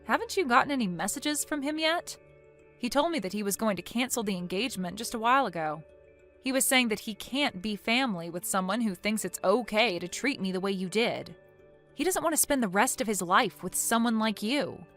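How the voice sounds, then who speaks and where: A woman voicing a calm, resolute young woman who speaks in a cold, measured, firm way. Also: a little high, soft background music.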